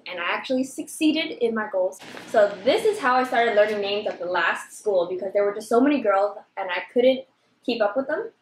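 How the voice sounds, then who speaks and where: A woman's voice: mid-range voice, slight background noise. A young woman chatting casually in an eating vlog, bubbly and talkative, filling her speech with "like". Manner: bubbly, chatty, says "like" often. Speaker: vlogger. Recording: echoey room.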